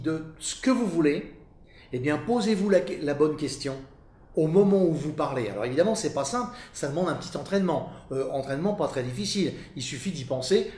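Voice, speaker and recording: A middle-aged man speaks in a slightly high-set voice, explaining ideas like a coach addressing viewers. He stresses key words and repeats them for emphasis. The room around him is clearly echoey. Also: darkish tone. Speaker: presenter and communication coach. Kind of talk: explanatory monologue to camera.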